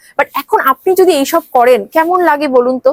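In a dry, close sound with no echo, a woman speaks at a high pitch with lively intonation. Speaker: vlogger. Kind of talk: opinion vlog commentary. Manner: animated.

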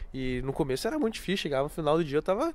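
A very fast-talking man with ordinary pitch variation. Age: 30s. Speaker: employment agency worker; interview guest. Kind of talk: casual interview chat. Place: garden. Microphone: handheld.

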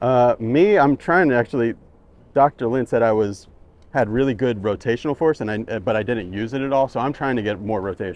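With an unremarkable speaking voice, a man talks at a fairly quick pace at a medium pitch, with ordinary pitch variation and a dry sound with no echo. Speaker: golf video host. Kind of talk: casual chat. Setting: outdoors. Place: open country.

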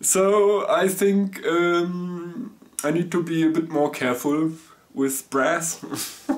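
Speech comes at a very slow pace, with a German accent. Loudness stays very even, and pitch varies in an ordinary way. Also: man, high pitch for a man. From Germany. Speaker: hobby blacksmith YouTuber. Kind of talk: voice-over narration of own video. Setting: recorded voice-over. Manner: hesitant, with fillers and laughs.

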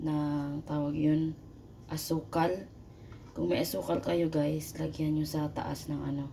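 Very slow speech from a woman, set in audible room echo. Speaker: home cooking vlogger. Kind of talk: cooking tutorial. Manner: casual, halting with fillers.

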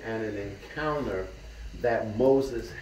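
A man talks at a very slow pace with ordinary pitch variation. The recording has light background noise and audible room echo. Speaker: preacher. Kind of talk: sermon. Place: church. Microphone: camera far.

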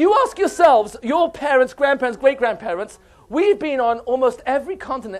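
Lively in intonation, a man talks with a British accent at an extremely high pitch. His pace is fairly quick. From England, London. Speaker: rabbi and educator; rabbi, educator. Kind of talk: lecture. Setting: stage with audience. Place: meeting room.

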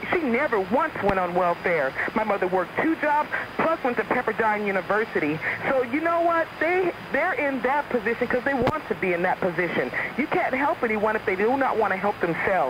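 Against noticeable background noise, a woman with an American accent speaks at a fairly quick pace, her pitch swinging very widely. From Compton, California. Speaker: caller. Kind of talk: heated debate. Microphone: phone line.

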